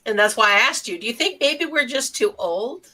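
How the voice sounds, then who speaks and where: A woman's voice: fairly high pitch, expressive, normal speed, sharp tone. A middle-aged woman co-hosting a casual podcast, speaking bluntly and with exasperation. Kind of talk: casual panel chat.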